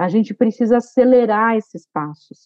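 The pace stays moderate. It is a plain, everyday voice. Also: woman. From Brazil, Northeast (Alagoas backlands). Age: 50s. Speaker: social entrepreneur. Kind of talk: interview. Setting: video call.

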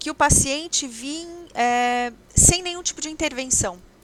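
With lively intonation, the woman talks at a very slow pace. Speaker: speech therapist and researcher. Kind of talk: interview conversation.

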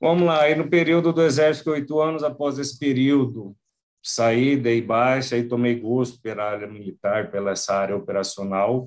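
In a plain, everyday voice, a man speaks at a moderate pace with lively intonation against a quiet background. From Cuiabá, Mato Grosso, Brazil. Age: 30s. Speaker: logistics security manager, army veteran. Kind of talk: interview. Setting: live online stream.

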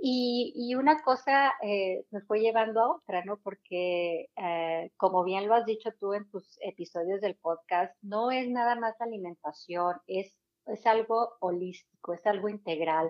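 In a normal speaking voice, a woman talks at a fairly slow pace. Her pitch is medium and varies in an ordinary way. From Mexico–US border region. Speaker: meditation teacher and actress. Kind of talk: casual interview chat.

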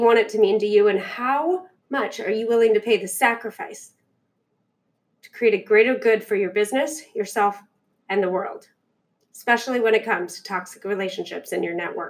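A woman with an ordinary speaking voice talks at a fairly quick pace, her fairly high pitch carrying lively intonation and big swings in loudness. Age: 30s. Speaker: podcast host and business coach. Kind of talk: motivational monologue; scripted show intro.

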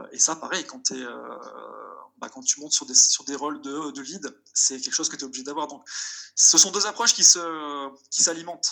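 Swinging widely in loudness, a man talks at a fairly high pitch with ordinary pitch variation. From southern France, Nice area. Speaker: UX designer and teacher. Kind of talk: casual interview. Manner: halting, many repetitions and fillers.

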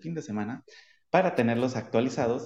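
Here a man speaks at medium pitch and a moderate pace, with ordinary pitch variation. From Colombia. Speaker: podcast co-host and music teacher. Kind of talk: interview.

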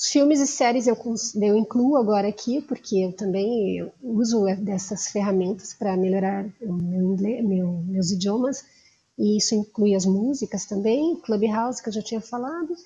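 Somewhat breathy, a woman with a medium pitch talks at a moderate pace with ordinary pitch variation. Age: 40s. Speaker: lawyer and language enthusiast. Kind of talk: interview.

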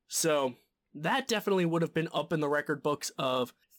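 In a dry, close sound with no echo, a man with a plain, everyday voice speaks at a moderate pace and fairly high pitch, with ordinary pitch variation. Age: 20s. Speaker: sports podcast co-host. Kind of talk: casual chat.

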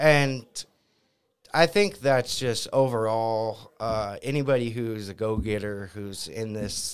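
In a very clean recording with a silent background, a man with an American accent and an ordinary speaking voice talks at a fairly slow pace, at medium pitch with ordinary pitch variation. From California. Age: 30s. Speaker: real estate investor, contractor. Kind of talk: casual interview.

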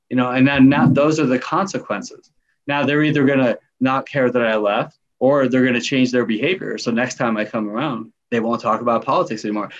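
Against a quiet background, a man with an unremarkable speaking voice talks at a fairly quick pace, his medium pitch showing ordinary variation. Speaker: podcast host and life coach. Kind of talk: pep talk, direct address to listeners urging them to call and change today. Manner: earnest, warm, urgent, encouraging.

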